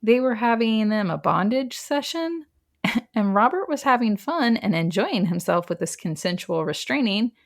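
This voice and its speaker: A woman's voice: a little high, animated, normal speed. A woman hosts a casual true crime podcast and walks through the case step by step. Her telling is chatty and wry, often broken by a laugh. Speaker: podcast host.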